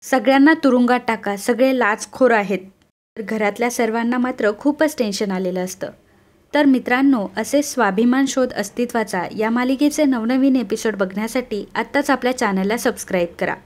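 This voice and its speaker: A woman's voice: fairly high pitch, a little fast, a little mellow. Woman narrating a serial recap. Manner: addresses listeners as friends, reads long name lists. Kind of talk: scripted story narration.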